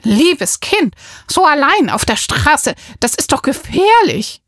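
A woman doing a shrill, theatrical busybody neighbor. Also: sing-song, normal speed, a bit bright, dry recording, clean studio sound, exaggerated voice. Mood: alarmed. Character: fussy dramatic older neighbor woman. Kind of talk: storybook reading.

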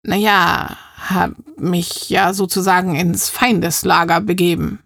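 A woman's voice: on the low side, fairly even intonation, unhurried, creaky, fairly bright tone, dry recording, clean studio sound, full character voice. A woman reading a children's audiobook, voicing a chatty, gossipy grown woman with a conspiratorial, breathless manner. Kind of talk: audiobook character voice.

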